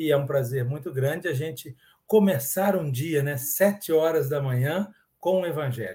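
A somewhat breathy male voice, fairly high in pitch with ordinary variation, at a fairly slow pace. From Minas Gerais, Brazil. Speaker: spiritist speaker. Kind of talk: casual talk on spiritist study, live stream. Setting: video call, live stream.

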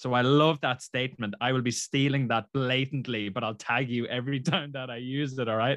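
A man's plain, everyday voice at medium pitch with fairly even intonation, against a quiet background, in a dry, close sound with no echo. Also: fairly quick pace. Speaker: podcast host. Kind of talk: interview conversation.

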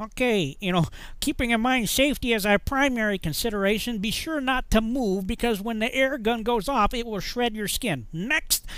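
In a nasal, put-on character voice with a fairly high pitch, the speaker keeps a moderate pace with hardly any pauses.

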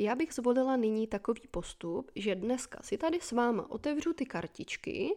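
With a dark, mellow tone, a woman speaks at a high pitch and a fairly slow pace, her intonation lively. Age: 20s. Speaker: psychologist and podcast host. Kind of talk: solo podcast monologue. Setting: home recording.

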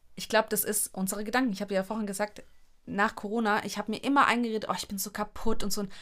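At a very fast pace, a woman talks in a fairly high, monotone, flat voice. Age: 20s. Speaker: podcast host. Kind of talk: casual chat.

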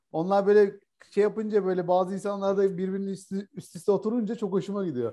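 Talking at a very fast pace, a man holds a high pitch and fairly even intonation. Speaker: podcast co-host. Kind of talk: casual chat.

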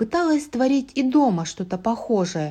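Against a quiet background, a woman with a somewhat breathy voice and a dark, mellow tone speaks at a fairly slow pace, her pitch swinging very widely. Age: old. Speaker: storyteller. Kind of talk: reading aloud.

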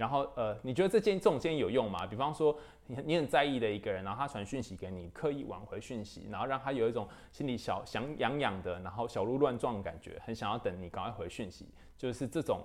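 A man speaks at a fairly quick pace with lively intonation and medium pitch. His loudness swings widely. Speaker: podcast host and psychology researcher. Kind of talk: casual talk monologue on relationships.

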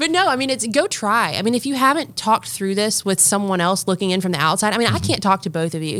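A woman talks very fast with an American accent and lively intonation. Her pitch sits in the medium range. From North Carolina, Lake Norman area (Cornelius). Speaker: family law attorney. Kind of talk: casual chat. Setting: studio.

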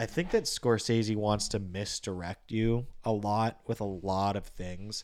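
A man with an American accent and a plain, everyday voice speaks at a fairly slow pace in a fairly low pitch, with fairly even intonation, hardly any pauses, and a very clean recording over a silent background. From Massachusetts, US. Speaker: film podcast co-host. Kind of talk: casual chat.

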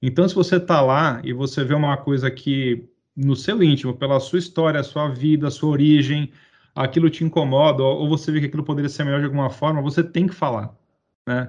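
A man talks in a normal speaking voice. His pitch is fairly high. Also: fairly even intonation, fairly quick pace. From Brazil, São Paulo. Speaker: advertising agency CEO. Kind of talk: interview.

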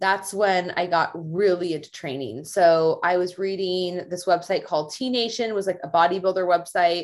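A woman's normal speaking voice, medium in pitch, at a moderate pace on a very clean recording with a silent background. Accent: American. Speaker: fitness trainer and podcaster. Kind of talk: casual chat.

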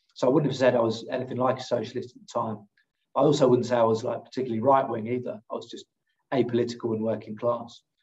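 Rattling along at a very fast pace, a man with a northern English accent speaks in a medium-pitched, somewhat breathy voice with fairly even intonation. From northern England, rural North Yorkshire. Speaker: defence journalist and former soldier. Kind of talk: interview conversation.

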